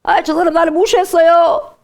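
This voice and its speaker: A woman preacher voicing a whining, self-willed churchgoer who pleads and complains to God in a high, whiny tone. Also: steady tone, normal speed, a little mellow.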